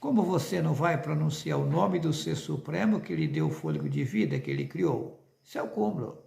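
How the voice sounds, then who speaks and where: A man's voice: a little high, sing-song, brisk, gravelly, warm tone, roomy sound. A man with a Brazilian accent preaching an insistent religious monologue to viewers, full of rhetorical questions.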